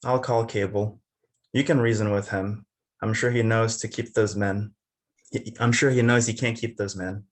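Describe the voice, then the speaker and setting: Crude company enforcer, male, read by an actor at a table read: lowish pitch, dry, sardonic, blunt. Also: steady tone, normal speed, lightly acted. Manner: blunt, needling. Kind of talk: dramatic script table read.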